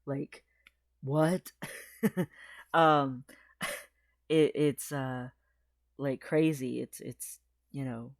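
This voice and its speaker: A man's voice: medium pitch, fairly even intonation, drawn-out words, long pauses, no echo, clean studio sound. A trans man rambling through a casual video diary, with lots of fillers and frequent laughs, his voice sometimes cracking. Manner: chatty and rambling, many fillers, laughs often. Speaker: vlogger.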